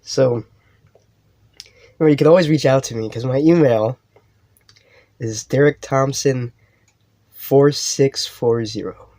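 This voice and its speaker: A man speaking straight to camera in a halting, hesitant way, full of fillers and restarts, with an unsettling edge. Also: medium pitch, darkish tone, dry recording. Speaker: online video host. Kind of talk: monologue to camera.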